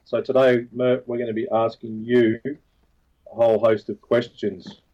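A man hosting a podcast in a relaxed, casual way, laughing often. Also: medium pitch, a little slow, muffled recording. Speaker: podcast host.

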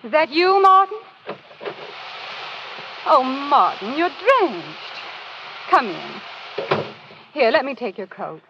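An actress playing a devoted young wife from a small town, warm and reassuring, in an old radio drama. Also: female voice, high voice, very animated, slow, long pauses, background noise, exaggerated voice. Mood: caring. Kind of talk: 1930s radio drama acting. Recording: dull old radio broadcast.

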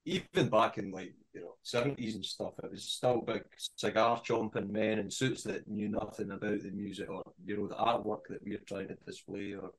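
A man's voice: on the low side, steady tone, moderate pace, gravelly, hardly any pauses, rough recording. A Scottish man in his thirties, a band member guest talking in a laid-back, wry way in an interview. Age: 30s. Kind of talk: casual interview chat.

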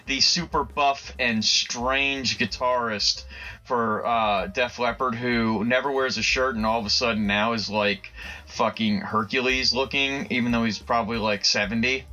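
Bright-voiced rambling male podcaster. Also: medium pitch, fairly even intonation, unhurried, muffled recording. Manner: rambling, profane, laughs often. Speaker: podcast co-host. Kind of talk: casual comedic chat.

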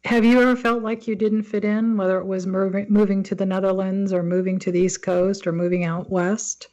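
A woman hosts an interview and asks gentle, open questions. Her delivery stays flat and even, with little rise and fall. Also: mid-range voice, fairly quick. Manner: gentle, affirming listener. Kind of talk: conversational interview.

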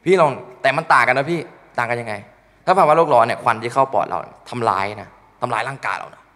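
A young man doing crude, animated stand-up storytelling on a comedy studio stage, acting out his friends' voices. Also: medium pitch, fast talker. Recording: long hall reverb.

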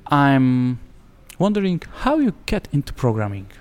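A man's voice: mid-range voice, sing-song, normal speed, darkish tone, in a large hall. A man whose first language is Polish, hosting an interview and speaking hesitantly with many fillers. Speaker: podcast host. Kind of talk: interview questions.

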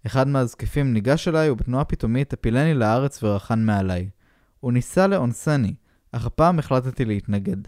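A man, a podcast co-host, reading a pulp novel aloud in a flat, deadpan way. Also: mid-range voice, no room sound, clean studio sound.

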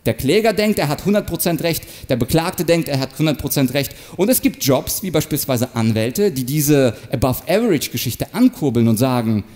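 A man giving an animated, explanatory talk on manipulation and rhetoric, sometimes acting out short example quotes. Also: fairly high pitch, a little fast, few pauses. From Ukraine. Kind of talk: stage talk to an audience.

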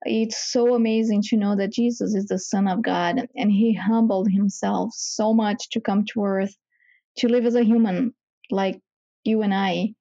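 A woman speaks with emphatic enthusiasm about her faith. Her voice is mellow and the recording is dry and slightly muffled. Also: mid-range voice, fairly even intonation, a little slow, dry recording. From Brazil. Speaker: church member giving a testimony. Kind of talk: personal faith testimony.

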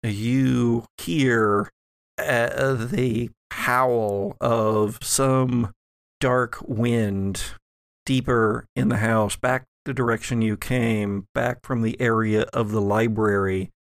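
A man acting as game master, improvising atmospheric narration of a tabletop game in deliberate phrases with many pauses. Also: medium pitch, steady tone, gravelly, no room sound, clean studio sound. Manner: slow, deliberate, pausing between phrases.

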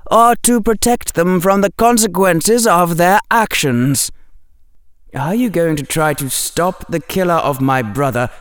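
A man's voice: sits high, clean tone, voice pushed up. A man voicing a stern woman leading law officers, speaking in a hard, clipped way.

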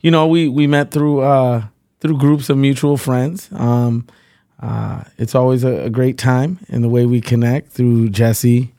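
A man's voice: mid-range voice, steady tone, unhurried, dark tone, no room sound, clean studio sound. A man hosting an interview in an office, talking in an easygoing, slangy way with lots of hype. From born in the Bronx. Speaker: podcast host. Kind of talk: casual interview chat. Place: high-rise office.

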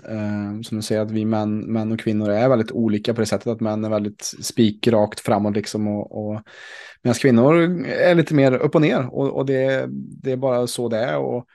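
A man's voice: fairly low pitch, level tone, warm tone. A man hosting a casual interview, affirming his guest and restarting his sentences often. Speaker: host.

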